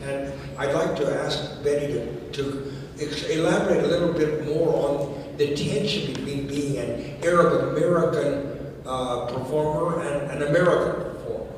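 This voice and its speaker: A man moderating a panel discussion, speaking in a measured, halting way with many fillers. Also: fairly high pitch, fairly even intonation, a little hiss or hum. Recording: echoey hall, distant mic.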